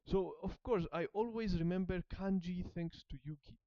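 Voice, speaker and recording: Man, hesitant, repeats himself, smooth voice, muffled dry recording. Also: high-pitched, moderate pace, no echo. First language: German. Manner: hesitant, repeats words while working them out; soft self-conscious laughs. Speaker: language learner. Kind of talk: thinking-aloud study session. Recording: slightly muffled dry sound.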